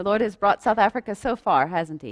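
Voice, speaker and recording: A woman with an American accent talks fairly quickly in an ordinary speaking voice at medium pitch, recorded dry and close with no echo against a quiet background. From United States. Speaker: speaker. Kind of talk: sermon.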